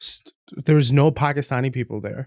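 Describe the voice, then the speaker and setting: A man with an American accent speaks at a moderate pace and medium pitch. The sound is dry and close, with no echo. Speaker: comedian. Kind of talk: casual chat. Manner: animated.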